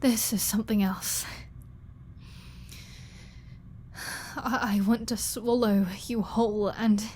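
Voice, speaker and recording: A woman playing a flirty, starving captive vampire in an ASMR roleplay, halting and teasing, with breathy asides and pleading. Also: on the high side, fairly even intonation, warm tone, a little hiss or hum, natural voice. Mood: hungry, pleading. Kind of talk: ASMR roleplay audio drama.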